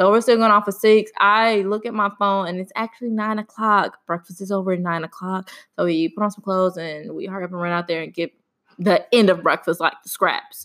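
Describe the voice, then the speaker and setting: At a fairly quick pace, a woman of medium pitch talks with fairly even intonation and big swings in loudness. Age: 20s. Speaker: podcast co-host. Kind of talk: casual chat. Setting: at home, late at night.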